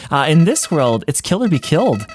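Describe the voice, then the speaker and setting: A man voicing a smug, sinister flower villain from a video game, taunting in a mocking, theatrical, deliberate way. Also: a little high, sing-song, faint music behind, voice pushed up. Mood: smug, menacing. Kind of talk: voiced read-along of game dialogue.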